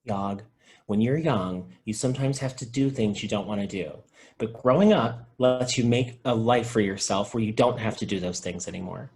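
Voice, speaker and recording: A man's voice: lowish voice, moderate pace, a little mellow, natural voice. A man playing a sensible, reassuring young store worker in a comedy table read, earnest and down-to-earth.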